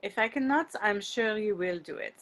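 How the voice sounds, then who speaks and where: A woman's voice: medium pitch, animated, normal speed, a bit bright, natural voice. A woman playing a frank, encouraging young French exchange student in an amateur script read over a video call. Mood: frank, prodding.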